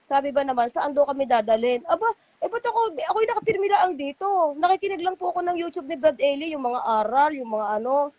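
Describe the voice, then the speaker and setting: Her voice sits high and expressive, darkish in tone, fairly quick, with no room sound. The speaker, a middle-aged woman and former church member, is a guest on an emotional call-in interview, rambling in a heartfelt way and quoting others in their own voices.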